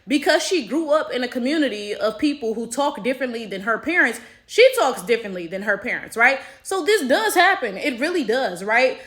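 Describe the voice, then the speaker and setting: Woman commentary host from the US, lightly high voice, chatty and explanatory. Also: expressive, a bit bright. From United States. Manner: explains points slowly, checks in with "right?". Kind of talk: casual commentary to camera.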